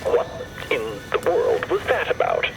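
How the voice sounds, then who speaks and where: A man playing a polite, mildly skeptical traveler in an audio drama, speaking in a measured, theatrical way. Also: a little high, wildly swooping pitch, creaky, noisy background, heavily acted. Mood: puzzled realization. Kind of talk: audio drama character acting.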